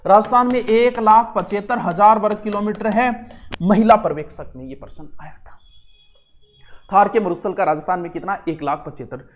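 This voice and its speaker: Rajasthani male teacher, exam coaching, chatty and lively, mixes in local dialect. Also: high-pitched, moderate pace. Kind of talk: exam-prep geography lesson.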